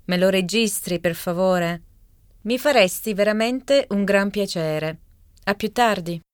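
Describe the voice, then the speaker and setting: A woman voices a caller leaving a voicemail, speaking slowly and with careful enunciation. Her tone is smooth and resonant, and the recording is close and dry, with no room sound. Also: medium pitch, no echo, natural voice. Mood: apologetic. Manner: slow, carefully enunciated delivery. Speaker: voice actor in a language listening exam. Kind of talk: scripted exam dialogue reading.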